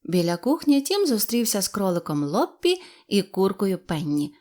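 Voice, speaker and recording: A woman storyteller narrating a children's audio fairy tale in an expressive, animated reading. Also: medium pitch, moderate pace. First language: Ukrainian.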